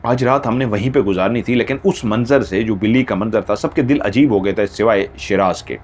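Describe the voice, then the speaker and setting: A man's voice: on the low side, a little fast, slight background noise. A man narrating a horror story in the first person, with dramatic storytelling.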